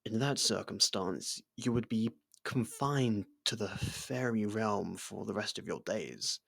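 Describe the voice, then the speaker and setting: A man's voice: fairly low pitch, expressive, a little slow, creaky, a bit bright, dry recording, heavily acted. A man playing a devoted, worried royal servant in an intimate fantasy roleplay, speaking formally and earnestly with careful deference. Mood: apologetic, concerned.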